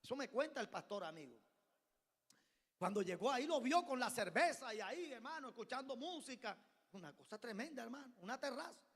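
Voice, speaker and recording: A man preaches fervently, shifting from quiet storytelling to shouted appeals to the congregation. His voice is very high and bright, and cutting. A long church reverb trails his words. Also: lively intonation, a little fast, breathy edge. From Colombia. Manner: storytelling sermon, rising to shouted exhortation. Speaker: pastor. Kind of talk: sermon. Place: church hall.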